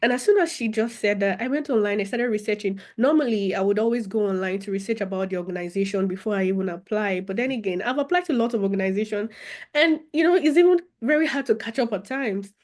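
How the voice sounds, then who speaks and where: A young woman with a Nigerian accent tells her own story as an interview guest. She talks expressively and animatedly, circling back on her phrases as she goes. Her voice sits at an ordinary middle pitch. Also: fast talker, a little mellow. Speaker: guest, former international student.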